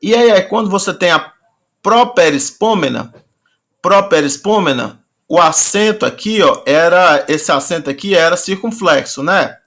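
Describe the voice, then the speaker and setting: Male teacher, fairly high and bright voice, patient and repetitive in his explaining. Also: expressive. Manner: patient, repeats and slowly draws out words. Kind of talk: online class lecture.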